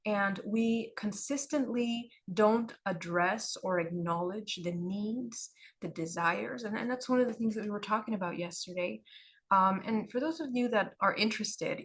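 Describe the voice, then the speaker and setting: A hoarse woman giving a livestreamed spiritual talk in an unhurried, soft-spoken way, often repeating phrases. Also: mid-range voice. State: hoarse, losing her voice. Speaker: spiritual teacher.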